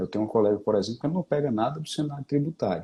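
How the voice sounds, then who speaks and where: This man's voice has a dark, mellow tone and is somewhat breathy, with lively intonation. The sound is dry and close, with no echo. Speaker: accountant and forensic expert. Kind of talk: live webinar discussion. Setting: online live stream. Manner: verbose, detailed.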